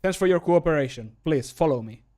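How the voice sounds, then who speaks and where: A man performing a fantasy game guard, courteous and measured, with quiet authority. His voice sits a little high as he delivers short, firm arrest lines. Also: expressive, lightly acted. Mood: polite, firm. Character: polite, firm male guard making an arrest. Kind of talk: game voice line takes.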